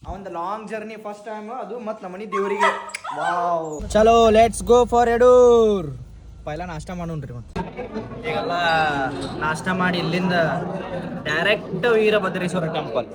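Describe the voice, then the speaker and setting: A man's voice: sits high, normal speed, a loud crowd. A man with a North Karnataka accent chatting casually and informally to viewers as a vlogger, dropping in English phrases. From Karnataka, India. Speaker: YouTube vlogger. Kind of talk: casual vlog chat to viewers.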